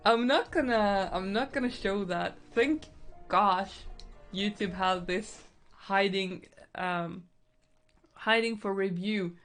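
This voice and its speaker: A young woman streaming while she paints, chatting casually and thinking out loud, with lots of fillers and giggles. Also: mid-range voice, slow pace, long pauses. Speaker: artist streaming a painting session. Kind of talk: casual stream-of-consciousness chat. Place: indoors at home. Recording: faint background music.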